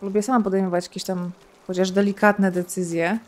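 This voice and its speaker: A woman's voice: medium pitch, level tone, a little fast, a little mellow, a little hiss or hum. Chatty woman narrating her gameplay. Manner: chatty, thinks aloud, playful sound effects. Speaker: gaming streamer. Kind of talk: casual let's-play commentary.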